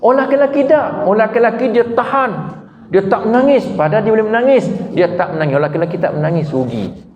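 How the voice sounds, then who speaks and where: Lively preacher in an echoey hall. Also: male voice, quick pace. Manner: animated, rising to high emphatic peaks, humorous asides. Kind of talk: religious talk to a congregation. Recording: echoey hall, dull lo-fi sound, faint noise.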